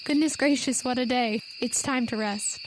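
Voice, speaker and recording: A woman hosting a tabletop game podcast as game master, expressive and enthusiastic in her delivery. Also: sits high, normal speed, background noise. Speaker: game master and show host. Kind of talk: announcements and storytelling narration for a tabletop game podcast. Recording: music behind the voice.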